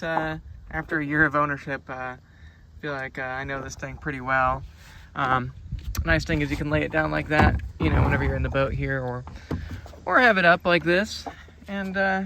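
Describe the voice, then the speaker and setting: Out on a boat on a lake, a man with a fairly high-pitched voice gives a casual, unscripted product review, rambling in a laid-back, hesitant way. Background noise can be heard.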